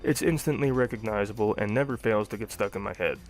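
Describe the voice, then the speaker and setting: A man's voice: on the low side, fast, soft background music. A young adult man narrating a scripted cartoon review.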